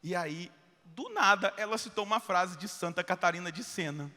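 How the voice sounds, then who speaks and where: Brazilian padre middle aged, bright tense voice, storytelling sermon, loud then hushed, long echo in a big hall. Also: male voice, high-pitched, normal speed. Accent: Brazilian Portuguese. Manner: animated, acts out dialogue, swings from loud to hushed. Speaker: Catholic priest.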